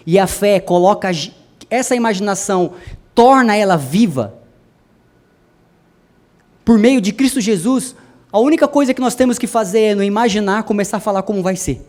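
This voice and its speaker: A young adult man preaching a sermon to a congregation, speaking to them directly and swinging his voice from soft to loud. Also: normal speed, long pauses. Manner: addresses the congregation directly, wide swings in pitch and loudness.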